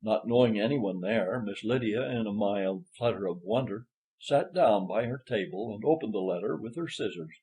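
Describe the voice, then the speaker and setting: A man's voice: fairly low pitch, normal speed, mellow, poor audio. A man reading a literary short story as an audiobook narrator.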